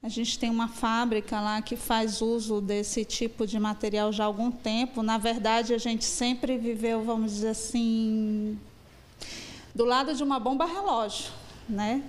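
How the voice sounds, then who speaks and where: Moradora entrevistada, fala emocionada. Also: female voice, a little high, steady tone, unhurried. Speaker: resident interviewee. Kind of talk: news interview.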